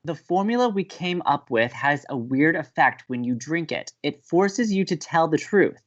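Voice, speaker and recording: An actor playing a gleeful, teasing young college radio co-host, bantering with dramatic emphasis. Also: male voice, fairly high pitch, expressive, normal speed, highs cut off, natural voice. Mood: animated. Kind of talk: bantering audio drama dialogue.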